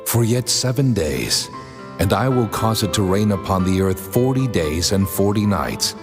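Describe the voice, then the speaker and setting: A man playing God as a mighty deity, speaking solemn, measured commands in a dramatized scripture reading. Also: lowish voice, expressive. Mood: grave, commanding. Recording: long hall reverb, music underneath. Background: music.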